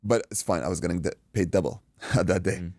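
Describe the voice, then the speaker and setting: A man from Iraq, a boxing coach and guest, telling an animated story in casual chat, acting out quotes and swearing freely. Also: low-pitched, brisk, no echo, studio quality.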